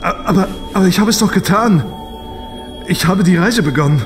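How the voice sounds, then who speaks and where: A man acting as a distraught young space traveller in a sci-fi audio drama. His fairly high voice is halting, confused and emotional, stammering with self-doubt. Music plays clearly behind him. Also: lively intonation. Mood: distraught disbelief.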